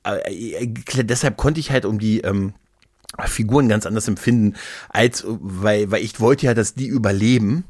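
Male podcast co-host, lower register, very dry recording, chatty and animated storyteller. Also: normal speed, no room sound. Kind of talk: casual chat, retelling and reviewing audio dramas.

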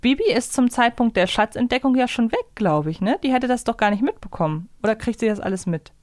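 A woman's voice: a little high, animated, fast, a little mellow, no echo, clean studio sound. A woman co-hosting a podcast, discussing a story in a conversational, analytical way. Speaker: podcast co-host.

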